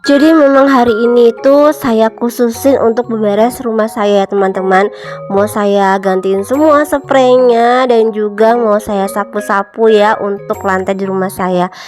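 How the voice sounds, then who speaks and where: A woman's voice: a little high, steady tone, a little slow, darkish tone. Stuffy-nosed woman, chatty home vlog. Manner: friendly, keeps addressing viewers as moms and friends. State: nasal from a cold, coughing. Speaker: home vlogger, mother. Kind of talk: casual chatty voice-over narration. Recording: faint music behind voice-over.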